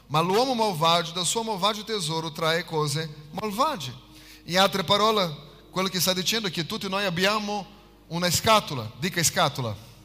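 The voice is raised and projected. It moves at a moderate pace with ordinary pitch variation. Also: man, high pitch for a man. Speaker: pastor. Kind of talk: sermon. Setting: church. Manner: animated.

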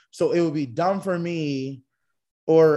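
A man speaks in an American accent with an ordinary speaking voice and a fairly high pitch. His pitch variation is ordinary, and the background is quiet. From Philadelphia, US. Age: 30s. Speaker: reality TV contestant. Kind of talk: interview. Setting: video call.

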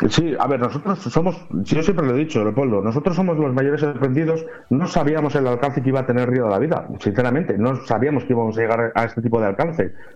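A man speaks very fast with hardly any pauses, at a medium pitch with ordinary variation. His loudness stays very even over noticeable background noise. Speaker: radio presenter. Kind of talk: interview.

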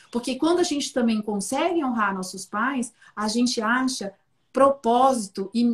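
Her high-pitched voice moves at a fairly slow pace with lively intonation. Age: 50s. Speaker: family constellation therapist. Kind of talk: interview on a live stream.

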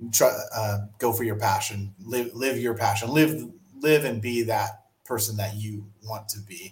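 A man's somewhat breathy voice sits at a medium pitch. He talks at a fairly slow pace with fairly even intonation. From small town. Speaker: video production company owner. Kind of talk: casual interview.

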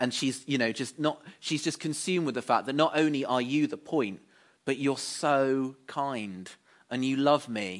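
Someone with an English accent speaks at a moderate pace with ordinary pitch variation, against a quiet background. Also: man. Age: 30s. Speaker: visiting preacher. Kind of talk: sermon.

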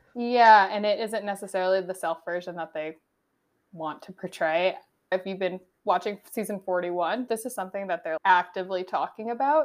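A woman with an unremarkable speaking voice, medium pitch, fairly quick pace and ordinary pitch variation. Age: 20s. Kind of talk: casual chat.

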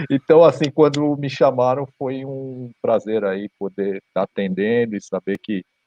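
Recorded dry and close with no echo, a man with a plain, everyday voice speaks at a fairly slow pace with ordinary pitch variation. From Brazil, São Paulo ABC region. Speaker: engineer at a pharmaceutical company. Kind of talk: interview in a live stream.

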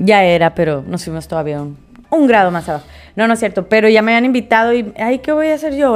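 A woman talks very fast with very wide pitch swings over noticeable background noise. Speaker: podcast co-host. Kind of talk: casual chat. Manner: animated.

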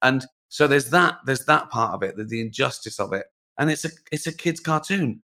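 With an English accent, a man speaks at a fairly quick pace in a bright, sharp tone, his intonation lively. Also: medium pitch for a man. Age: 50s. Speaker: comedian. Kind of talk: casual chat.

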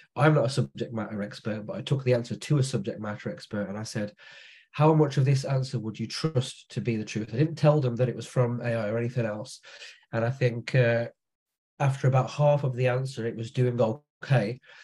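Dark, mellow and somewhat breathy speech at a fairly quick pace, with fairly even intonation against a quiet background. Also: man, medium pitch for a man. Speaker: digital marketer. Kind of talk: panel discussion. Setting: video call.

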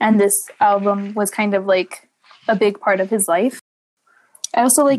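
This woman has a normal speaking voice at medium pitch with ordinary pitch variation. She talks at a fairly quick pace. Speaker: podcast host. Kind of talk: casual discussion of poetry.

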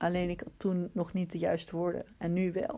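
This woman's voice sits at a fairly low pitch and has a dark, mellow tone, moving at a moderate pace. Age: 20s. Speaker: coach for people with language disorders. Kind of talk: personal monologue podcast. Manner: halting, with many fillers.

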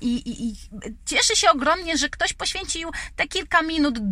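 A woman speaks in a raised, projected voice at a moderate pace. Her tone is animated and her intonation lively. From Poland, Lower Silesia (Bogatynia). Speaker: podcaster. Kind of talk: casual monologue.

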